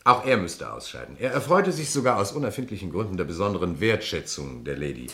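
An actor playing a shrewd, sardonic police detective in a German crime radio play, speaking in a deliberate, theatrical way. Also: male voice, deep voice, sing-song, pushed and bright, a little hiss or hum, full character voice. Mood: probing, needling.

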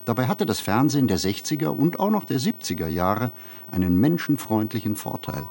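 An actor playing a reflective writer in a literary radio play, speaking his monologue in measured, deliberate phrases. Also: mid-range voice, big pitch swings, a little mellow, a little hiss or hum. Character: reflective male writer musing on writing and society. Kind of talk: literary radio play monologue, scripted first-person narration.

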